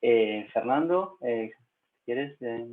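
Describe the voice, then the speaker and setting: A man's voice: medium pitch, lively intonation, very slow, a little hiss or hum. Hesitant man from Spain on tinny audio. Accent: Spanish from Spain. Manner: hesitant, many filler sounds. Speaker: panel moderator. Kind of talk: casual online panel chat.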